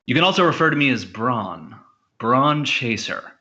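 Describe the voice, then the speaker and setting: A man playing an earnest, pompous space hero stranded on Earth in an audio comedy drama, speaking gravely and formally. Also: mid-range voice, expressive, moderate pace, pushed and bright, dull audio. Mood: urgent, self-important.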